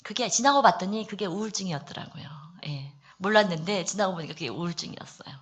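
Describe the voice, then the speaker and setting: A woman with a bright, forward tone, speaking at a middle pitch as she gives a heartfelt testimony at a prayer meeting. Her delivery is earnest and confiding, full of little fillers and phrases that trail off softly. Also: animated, quick pace. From Daegu, South Korea. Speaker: church member giving testimony.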